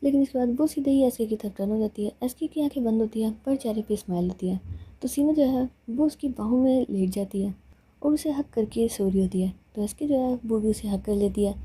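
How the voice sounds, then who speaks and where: A woman's voice: on the high side, brisk, warm tone, breathy edge. A woman narrating a love story in a plain, conversational storytelling manner.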